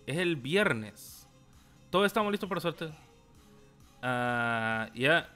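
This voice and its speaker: A man's voice: a little high, expressive, takes it slowly, sharp tone, soft background music. A young man with a Salvadoran Spanish accent, casually reading viewer chat aloud on a tech livestream, laughing often. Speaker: tech YouTuber. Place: small room indoors.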